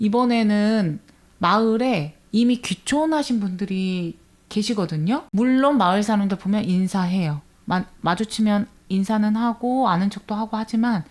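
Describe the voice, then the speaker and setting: Earnest woman with a soft lilt. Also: medium pitch, moderate pace. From rural Jeolla region of Korea. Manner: earnest, animated storytelling with quoted voices. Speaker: guest, village media educator. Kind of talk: conversational interview. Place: radio studio.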